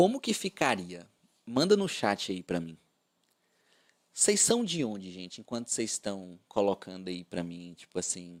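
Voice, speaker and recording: Animated and fairly slow, a man talks with long, frequent pauses and big swings in loudness, recorded with a dry, close sound and no echo. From Bahia, Brazil (Vitória da Conquista). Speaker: math teacher for exam prep. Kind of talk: live online class. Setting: live stream with chat.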